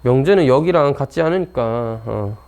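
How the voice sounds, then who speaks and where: A man's voice: a little high, lively intonation, moderate pace, darkish tone, a little hiss or hum. A man teaching math in an informal lecture, blunt and chatty, talking himself through problems. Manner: casual and blunt, talks to himself and teases the textbook.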